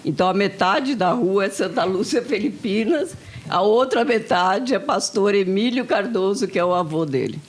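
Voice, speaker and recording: A man's voice: high-pitched, animated, normal speed. A man from Brazil in casual chat, adding short comments to a friend's story.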